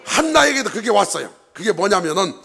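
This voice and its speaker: A male pastor preaches a lively sermon, often stopping to ask his congregation questions. His voice sits high and has a gravelly, husky edge. He swings between loud emphasis and quiet asides. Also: brisk, soft background music. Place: church.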